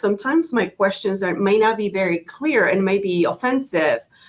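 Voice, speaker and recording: A woman speaks at a moderate pace with a Spanish accent. Her pitch sits in the middle range, with ordinary variation. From Ecuador. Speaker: leadership panelist, army veteran. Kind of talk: panel discussion.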